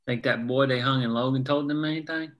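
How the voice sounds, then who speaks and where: A man's voice: medium pitch, steady tone, fairly quick, muffled recording, close to an everyday voice. A man reading the part of a blunt, plain-spoken union coal miner in a drama table read. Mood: matter-of-fact.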